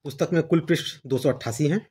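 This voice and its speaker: A man with a slightly high, dark-toned voice talks fast as he hosts his own channel, with slight background noise. Reviewing a devotional book, he explains it casually and conversationally and reads passages aloud.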